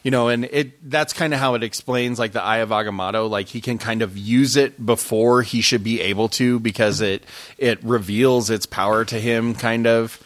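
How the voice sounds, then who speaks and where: Man, podcast host, casual chat, rambling, laughing, mid-pitched. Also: fairly even intonation, moderate pace. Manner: laid-back, rambling, laughs often.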